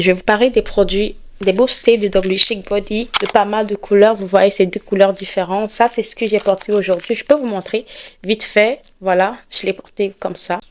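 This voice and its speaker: A young woman talks casually straight to her viewers. She is chatty and keeps checking in with a quick "ok?". Her voice sits at an ordinary middle pitch. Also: darkish tone. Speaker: vlogger promoting her products. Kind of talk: casual direct-to-camera vlog talk.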